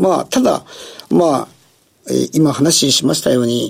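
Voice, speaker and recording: This man's voice swings very widely in pitch. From Japan, Toyama. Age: 70s. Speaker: company president. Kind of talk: interview.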